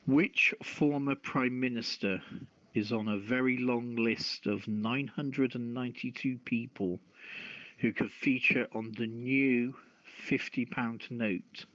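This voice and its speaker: A man's voice: medium pitch, a bit bright, dry recording. A man hosting a casual radio quiz as the quizmaster. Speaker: show host and quizmaster. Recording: dry, dull lo-fi stream audio.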